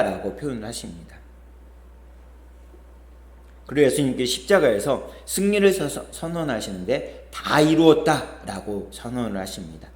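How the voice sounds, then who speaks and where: 목사 남성, 울리는 예배당 설교. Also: male voice, medium pitch, darkish tone, roomy sound. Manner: storytelling with quoted voices, rising and falling emphasis. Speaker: pastor. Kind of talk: sermon. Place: church sanctuary.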